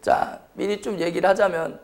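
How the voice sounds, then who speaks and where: High-pitched man teaching, strained throat. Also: steady tone, normal speed, vocal fry. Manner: question-and-answer delivery, repeatedly prompting students; blunt, informal speech to students. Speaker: science teacher. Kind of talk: high school chemistry lecture.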